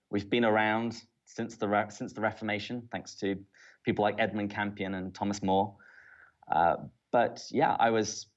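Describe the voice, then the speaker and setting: A man from southern England with a British, Southern English accent, talking casually and with dry understatement as an interview guest. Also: on the low side. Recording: dull, lo-fi audio.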